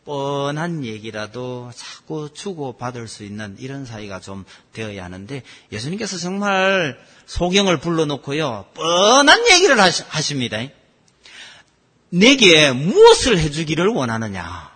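A man preaching a sermon as pastor, asking the congregation questions and swinging between loud and soft. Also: mid-range voice, sing-song, normal speed, few pauses. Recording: long hall reverb.

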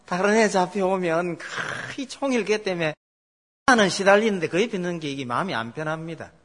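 A man's voice: high-pitched, fairly quick. A middle-aged man preaching a sermon as pastor, telling stories and asking the congregation questions. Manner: animated storytelling, asks the congregation questions.

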